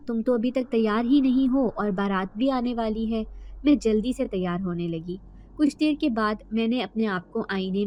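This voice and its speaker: A woman narrating a first-person horror story in a steady, even-paced reading voice. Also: mid-range voice, slight background noise.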